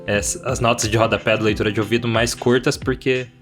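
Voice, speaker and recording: Casual Brazilian man over clear guitar music. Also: mid-range voice, fairly even intonation, fast, a bit bright. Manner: informal, loosely improvised. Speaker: podcast co-host. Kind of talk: casual chat. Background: instrumental guitar music.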